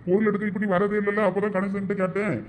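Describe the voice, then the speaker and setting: A man's voice: high-pitched, level tone, racing, slight background noise. A man with a Thoothukudi Tamil accent playing a shopkeeper, friendly and chatty.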